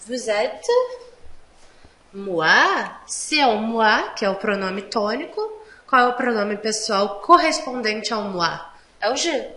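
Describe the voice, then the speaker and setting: Woman teacher going thru french examples slowly, kinda high voice, echoey room. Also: expressive, sharp tone. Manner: slow, patient explaining; mixes Portuguese explanations with French examples. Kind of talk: online language lesson.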